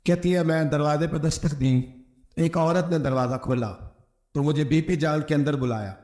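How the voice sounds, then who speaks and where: A man with a Pakistani Urdu accent preaching an emotional sermon, telling a story and acting out its voices with sudden high, sharp outbursts. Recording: echoey hall.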